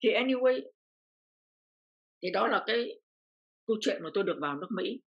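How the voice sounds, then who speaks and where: A woman's voice: medium pitch, expressive, a little fast, dull audio. An older woman from Vietnam, an interview guest, telling a personal story with feeling and repeating phrases as her voice rises.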